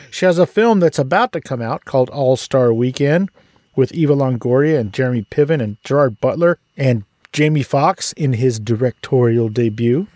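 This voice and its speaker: A man's voice: mid-range voice, a little mellow, dry recording. A man hosting a podcast, introducing his guest in an upbeat, chatty way and asking her questions. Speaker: podcast host. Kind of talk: casual interview.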